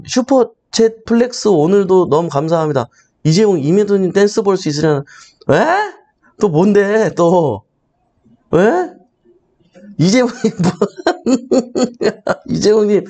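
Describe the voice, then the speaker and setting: A man's voice: high voice, a little mellow. A man hosting a live stream, chatting casually and playfully with his viewers and reacting to their comments. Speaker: live-stream host and real-estate auction mentor.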